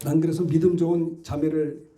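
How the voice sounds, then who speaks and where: A man's voice: a little high, level tone, a little fast, warm tone. A male pastor preaching a sermon with emphatic rhetorical questions.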